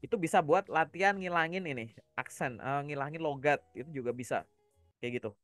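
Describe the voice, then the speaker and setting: A man's voice: a little high, a little fast, a bit bright, no room sound, faint music behind. A man from Java giving casual coaching advice, explaining step by step and checking in with rhetorical questions. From Java, Indonesia. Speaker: career coach.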